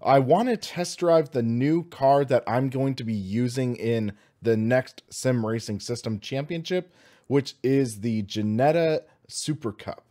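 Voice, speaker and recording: A young American man hosts a livestream in a casual, upbeat way. His voice sits at an average pitch and is slightly hoarse. He talks informally and with enthusiasm, as if chatting to friends. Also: unhurried, mellow. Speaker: host of a sim racing livestream.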